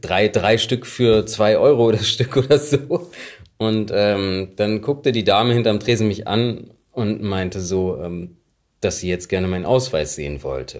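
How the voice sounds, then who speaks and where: A man talks in a normal speaking voice at a fairly low pitch. His intonation is lively and his pace fairly slow. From northern Germany, Oldenburg. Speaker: actor and voice actor. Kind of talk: casual chat.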